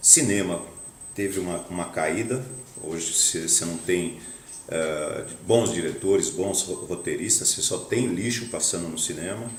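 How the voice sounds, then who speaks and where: A man speaks at a fairly slow pace with a very deep, low pitch and ordinary pitch variation. Noticeable background noise and audible room echo fill the recording. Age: 60s. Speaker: author and visual artist. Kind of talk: interview. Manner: halting, many repetitions and fillers.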